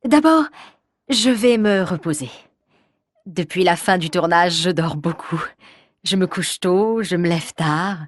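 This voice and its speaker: Slow, deliberate woman. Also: lowish voice, lively intonation, no echo, studio quality. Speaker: voice actor and title announcer. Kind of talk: scripted slow-paced learner dialogue.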